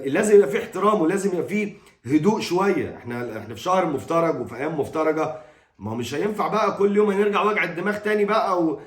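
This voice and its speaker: A man's voice: fairly high pitch, roomy sound. A middle-aged Egyptian man giving an exasperated, scolding football opinion monologue. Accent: Egyptian Arabic. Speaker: football commentator.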